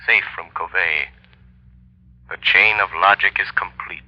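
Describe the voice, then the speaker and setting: The Shadow, an all-knowing detective. He speaks in a low, measured and authoritative voice, as in a 1930s radio play. The sound comes through a muffled old broadcast recording. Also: steady tone, pushed and bright, full character voice. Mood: calm, assured.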